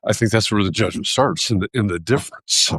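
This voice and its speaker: A man's voice: lowish voice, brisk, a bit bright, husky, no echo. An American man hosting a live video, talking in a reflective, casual way and searching for his words as he goes. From United States.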